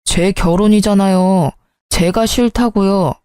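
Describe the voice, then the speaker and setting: Brief: woman playing a tense young son pressing his mother, mellow-toned, dry close sound. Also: mid-range voice, fairly even intonation, a little slow, smooth, dry recording, lightly acted. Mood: exasperated. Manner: pleading then shouting at family. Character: grown son, young man, tense and frustrated. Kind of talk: dramatized story reading.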